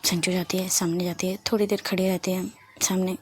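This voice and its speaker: A woman's voice: on the low side, flat delivery, brisk. A young woman narrating a love story casually, often dropping to a whisper and correcting herself as she goes.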